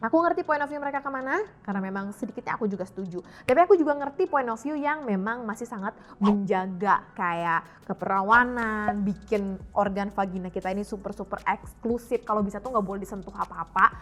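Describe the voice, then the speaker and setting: With a medium-pitched, fairly quick voice, this Indonesian fitness and health YouTuber, a young woman of mixed European and Indonesian heritage, chats candidly with her audience. She casually mixes English phrases into her talk.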